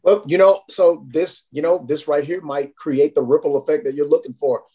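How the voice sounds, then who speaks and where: Earnest, encouraging man with a mellow voice. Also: fairly high pitch, steady tone, moderate pace. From Tennessee. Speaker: recovery advocate guest. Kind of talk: casual podcast conversation.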